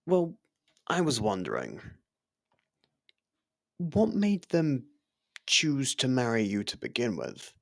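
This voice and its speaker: A man's voice: mid-range voice, huge pitch swings, slow pace, gravelly, long pauses, no room sound, clean studio sound, heavily acted. A man playing a devoted, worried royal servant in an intimate fantasy roleplay, speaking formally and earnestly with careful deference. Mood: curious, deferential.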